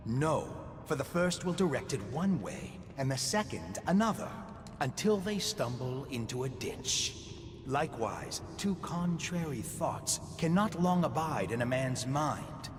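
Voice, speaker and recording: An actor playing a zealous preacher who recites doctrine in a solemn, declaiming way in a game. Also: male voice, mid-range voice. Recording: long reverb over music.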